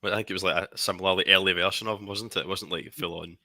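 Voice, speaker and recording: Scottish man, low-pitched, hard bright edge, dry sound, casual panel banter. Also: fairly even intonation, very fast, dry recording. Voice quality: deep voice. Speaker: livestream panellist.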